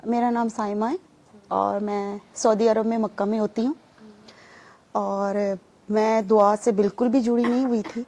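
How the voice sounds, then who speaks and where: A woman giving a personal testimony in an interview, telling her story with lively acted-out dialogue. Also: fairly high pitch. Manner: animated storytelling, acting out remembered dialogue.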